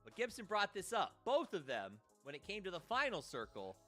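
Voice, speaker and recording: Male caster, bright forceful tone, slightly high voice, live tournament commentary, faint music behind. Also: huge pitch swings, brisk. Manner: upbeat, hands off to co-casters. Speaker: esports caster.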